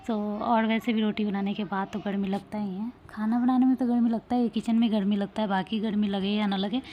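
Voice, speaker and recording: A woman's voice: medium pitch, steady tone, brisk, highs cut off, slight background noise. A woman in her thirties, a mother chatting casually in a daily home vlog, rambling with lots of fillers. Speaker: vlogger, mother.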